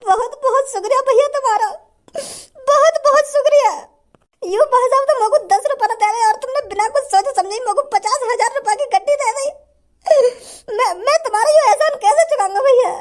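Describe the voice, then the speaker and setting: A whining, pleading beggar boy, acted by a woman in a comedy skit. The voice is very high and soft-edged. He sounds needy and insistent. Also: expressive, fast. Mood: grateful. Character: pleading hungry young male beggar.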